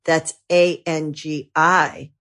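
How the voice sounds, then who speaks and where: A woman's voice: sits low, little pitch movement, slow pace, a bit bright. A woman reading an advertisement in an upbeat, conversational way. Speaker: ad reader. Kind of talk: read ad spot.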